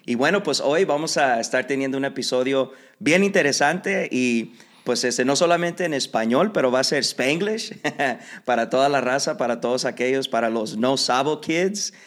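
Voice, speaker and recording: A man hosts a podcast with an easygoing voice at an ordinary middle pitch. He speaks in a loose, friendly way, full of fillers, and drifts between two languages. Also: moderate pace. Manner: relaxed, many fillers, mixes Spanish and English. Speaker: podcast host. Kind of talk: casual bilingual interview.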